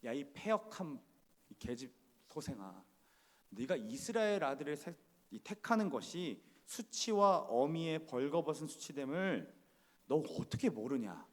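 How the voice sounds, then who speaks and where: A man's voice: a little high, sing-song, measured pace. A male pastor acting out a furious older king who harshly scolds his son, in a sermon retelling. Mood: scolding, furious. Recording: church hall reverb.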